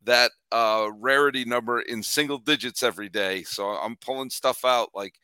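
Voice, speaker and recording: A man hosting a baseball podcast in casual chat, animated and repeating himself as he thinks. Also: medium pitch, moderate pace, smooth, dry recording, clean studio sound. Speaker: podcast host.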